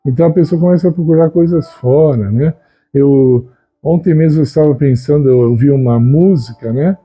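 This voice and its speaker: A man giving an unhurried, conversational spiritual talk, often tagging his sentences with a questioning "né?". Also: a little high, slightly rough, muffled recording. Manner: unhurried, conversational, frequent "né?" tags. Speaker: Christian video host. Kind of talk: reflective spoken teaching.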